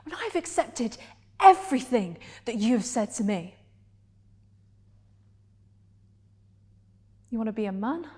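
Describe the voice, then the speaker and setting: A woman performing a dramatic stage monologue as a hurt, defiant gay woman confronting her partner, deliberately and with heavy pauses. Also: on the high side, big pitch swings, a little mellow. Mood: bitter, challenging.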